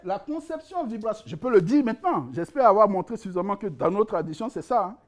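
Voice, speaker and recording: A man giving a conference lecture, animated and joking, often repeating words as he searches for the right phrasing. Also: high voice, quick pace. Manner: animated, jokes, laughs at own asides. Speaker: conference speaker presenting his book.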